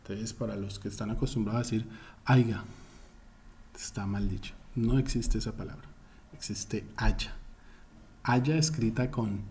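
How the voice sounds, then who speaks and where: A male teacher with a lowish voice walks his students through spelling rules. He is emphatic and spells words out one letter at a time. Faint room hum sits behind him. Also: mellow. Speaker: Spanish teacher. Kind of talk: online class explanation.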